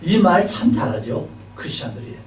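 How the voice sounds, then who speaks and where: Man preaching, rhetorical questions, loud and soft swings, slightly high voice, roomy echo. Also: sing-song, normal speed, slight background noise. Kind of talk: sermon. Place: seminary chapel service. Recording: echoey hall, mic at a distance.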